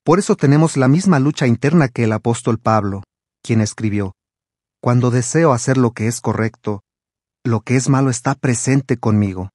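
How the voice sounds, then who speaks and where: A man narrates a scripted religious video in a calm, explanatory tone at a middle pitch. The voice-over is close and dry, with nothing heard behind it. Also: moderate pace, no echo.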